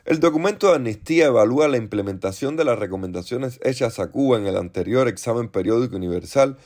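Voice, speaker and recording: A man presents a news podcast from a script. His voice sits at an ordinary male pitch, and he narrates in formal sentences as the host. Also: expressive, quick pace, a little mellow.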